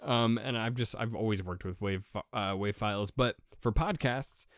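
A man with a deep voice giving a casual, rambling how-to talk as a podcaster, repeating himself with enthusiasm. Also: normal speed, no echo, clean studio sound. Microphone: USB desk microphone with pop filter.

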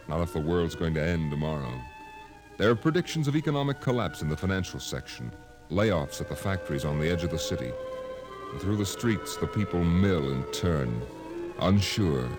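An actor narrating a 1950s radio drama in a grave, terse, portentous style. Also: male voice, low voice, sing-song, normal speed. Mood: ominous. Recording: old radio broadcast over music.

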